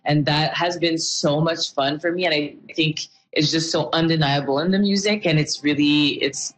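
A woman's voice: sits low, fairly even intonation, normal speed, rough recording. Enthusiastic woman musician, rambling. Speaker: musician guest. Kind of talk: casual interview. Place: outdoor festival, in a small shelter.

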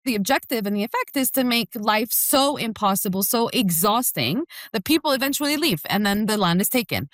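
A woman's voice: a little high, lively intonation, brisk, hardly any pauses, no room sound, clean studio sound. A woman in her thirties from Jerusalem, speaking earnestly and urgently as an interview guest, with frequent fillers. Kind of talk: remote news interview.

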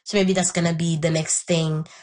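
A young woman from Haiti, whose first language is Haitian Creole, talks through her own story at a fairly low pitch. She is earnest and unhurried and pauses to search for her words. She sounds like a guest being interviewed. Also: flat delivery, a little mellow. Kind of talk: reflective personal story.

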